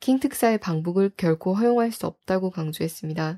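With a dark, mellow tone, the voice sounds dry and close with no echo, on a very clean recording with a silent background. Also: woman. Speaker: news reader reporting news items. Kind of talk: news reading. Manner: formal, steady.

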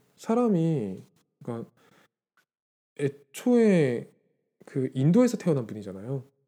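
A man with a dark, mellow tone speaks at a very slow pace with long, frequent pauses, his fairly high pitch making very wide swings. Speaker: podcast host. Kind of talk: casual discussion podcast.

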